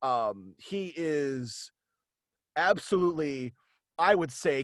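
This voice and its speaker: A man's voice: medium pitch, no echo, clean studio sound. A man chatting casually as an interview guest on a home video call, talking in a hesitant but enthusiastic way. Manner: hesitant, enthusiastic, chuckles often. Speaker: guest, writer of a superhero radio play.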